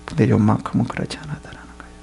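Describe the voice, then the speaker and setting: A male pastor preaching a sermon with a raspy voice, swinging from loud to whispered. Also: medium pitch, racing.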